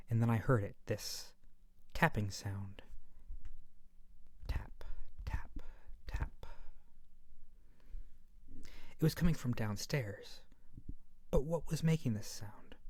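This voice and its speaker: Casting: friendly under-the-bed monster played by a man, soft and breathy, mellow, gentle, sheepish, playful, ASMR roleplay delivered right on the mic. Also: on the low side, dry recording. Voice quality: soft, breathy, often near-whisper. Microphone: very close to the mic.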